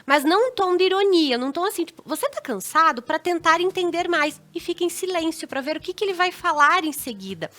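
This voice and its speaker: Bright high-voiced Brazilian woman advising. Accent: Brazilian Portuguese. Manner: instructive, acts out little dialogues. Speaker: guest adviser on relationships. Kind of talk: advice talk on a TV show.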